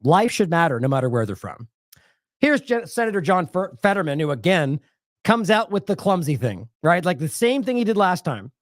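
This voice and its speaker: A man's voice: sits high, big pitch swings, moderate pace, no room sound, studio quality. An American man hosting an independent news show, delivering sarcastic, indignant commentary full of rhetorical questions.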